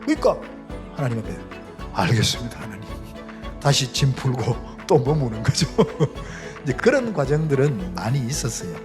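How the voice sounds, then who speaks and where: A man's voice: medium pitch, very animated, normal speed, music in the background. A middle-aged man, a missionary, giving a testimony lecture, telling his story with feeling and acting out prayers and quotes. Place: lecture hall.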